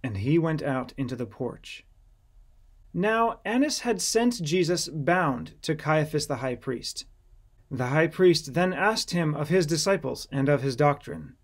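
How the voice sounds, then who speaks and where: A man's voice: a little high, expressive, measured pace. A man reading scripture as an audiobook narrator, in a solemn, dramatic storytelling manner.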